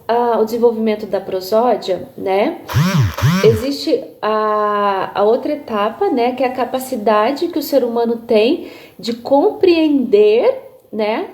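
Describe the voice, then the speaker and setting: A woman's voice: on the high side, a little mellow. A woman music therapist with a Brazilian accent, giving a live online lecture over a phone stream in an explanatory way, tagging her sentences with little checks. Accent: Brazilian Portuguese. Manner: demonstrates intonations with her voice. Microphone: phone livestream.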